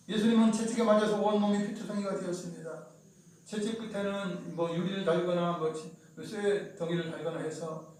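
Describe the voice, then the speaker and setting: Pastor, male, high voice, conversational sermon, roomy church sound recorded from a distance. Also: darkish tone, a little hiss or hum. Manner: conversational preaching, acts out quoted voices. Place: church sanctuary.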